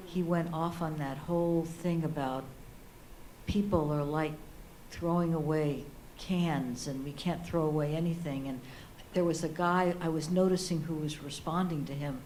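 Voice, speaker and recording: Woman with a really low voice asking a casual question from the crowd, slightly noisy room. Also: a little mellow. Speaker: audience member asking a question. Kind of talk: casual, tentative question at a discussion. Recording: noisy live audience room recording.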